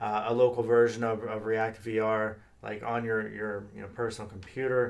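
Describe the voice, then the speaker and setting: The speaker is a man with a medium-pitched voice. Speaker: coding youtuber. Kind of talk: casual tech demo talk. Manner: fast; hesitant, many fillers.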